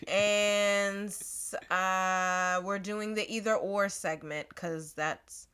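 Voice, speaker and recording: A woman's voice: medium pitch, fairly even intonation, extremely slow, bright, forceful tone, clear, resonant tone. A woman co-hosting a casual podcast, frank and teasing, who laughs often as she talks. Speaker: podcast co-host. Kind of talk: casual conversational podcast chat.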